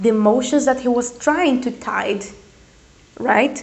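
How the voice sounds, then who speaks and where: In a Brazilian accent, a woman speaks at a high pitch with lively intonation, and audible room echo surrounds her voice. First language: Portuguese. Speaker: tarot reader. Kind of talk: tarot reading to camera. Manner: halting, with fillers.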